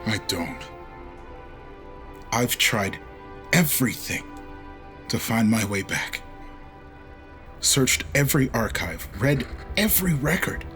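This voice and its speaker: A sci-fi audio drama spaceship captain, homesick and fiery. His delivery is measured and slow, with big melodic swings from hushed longing to outburst. Music plays clearly behind him. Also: mid-range voice, expressive. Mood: pleading.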